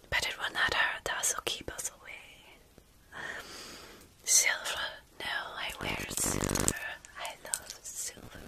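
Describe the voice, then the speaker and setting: A woman playing a gentle, centuries-old vampire caretaker in a soothing whispered ASMR roleplay. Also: a bass voice, gravelly, heavily acted. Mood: matter-of-fact, amused. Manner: slow, soothing, measured whispering. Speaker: ASMR performer.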